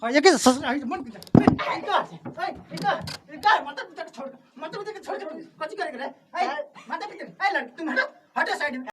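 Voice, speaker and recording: A woman reporter with a Bihari accent fires the same questions again and again. Her high voice scolds and badgers. She sounds confrontational throughout. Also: expressive, moderate pace, hardly any pauses, very noisy. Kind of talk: confrontational street interview.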